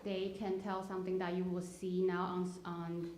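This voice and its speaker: A woman's voice: on the low side, level tone, moderate pace, a little mellow. A woman from Taiwan, a theater producer, presenting a slideshow to a live audience, explaining as she goes with frequent "uh" and "so". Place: theater auditorium at a live event. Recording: roomy hall sound with faint noise.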